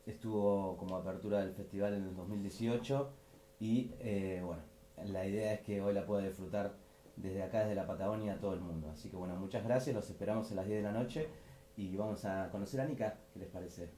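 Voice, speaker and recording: Guy hosting a festival stream, talks super fast, dark low voice, echoey room. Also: slight background noise. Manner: rapid, filler-heavy promo talk. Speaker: festival host. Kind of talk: live stream announcement.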